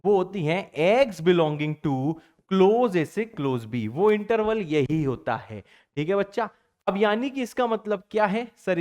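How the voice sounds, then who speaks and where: A man teaching math in a lively recorded lecture, playing both teacher and student in his own voice, chatty and full of catchphrases. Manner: chatty, fond of catchphrases like "bachcha party"; lively pitch swings, drops low for student replies. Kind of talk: exam-prep math lecture.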